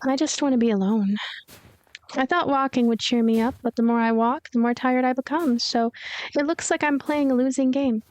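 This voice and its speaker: Woman reading as weary, lonely, deadpan ghost girl. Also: sits high, moderate pace, lightly acted. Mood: weary, gloomy. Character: lonely, gloomy, self-deprecating ghost girl narrator. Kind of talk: first-person story narration.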